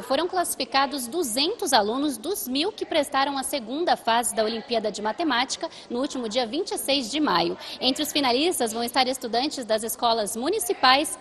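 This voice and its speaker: A Brazilian woman reads a scripted television report. Her voice sits a little high. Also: a bit bright. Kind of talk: scripted news report narration.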